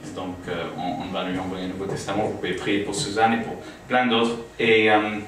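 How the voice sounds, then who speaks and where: A US man's voice, on the low side but fairly bright, stays level and fairly quick as he talks informally to a small church group in a living room. He hesitates, with many fillers and restarts. Through a small PA, he's captured by a distant camera in an echoey room with audible noise.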